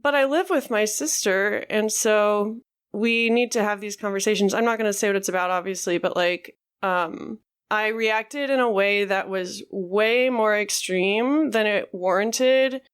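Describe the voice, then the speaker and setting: Woman, podcast co-host, smooth clear voice, frank, hesitant, lots of fillers. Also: medium pitch. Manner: frank, halting, many fillers. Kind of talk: candid conversational podcast talk.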